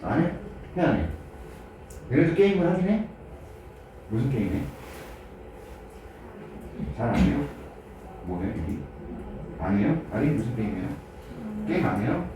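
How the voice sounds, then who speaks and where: A man teaching grammar in a lively classroom lecture, joking with and teasing his students as he quizzes them. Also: mid-range voice, a little slow, pauses often, echoey room, background noise. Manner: jokey, teasing, quizzes students in casual speech.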